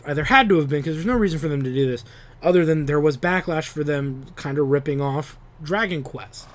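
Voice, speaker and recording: A man with a slightly higher voice rambles about old games in a loose monologue. He swears freely and keeps restarting his sentences. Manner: rambling, profane, restarts often. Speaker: video game talk show host. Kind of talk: casual monologue.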